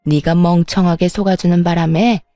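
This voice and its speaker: A woman's voice: fairly low pitch, steady tone, moderate pace, warm tone, dry recording, faint music behind, lightly acted. Woman playing a spiteful scheming mother-in-law. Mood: gloating. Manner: mocking, then falsely wailing.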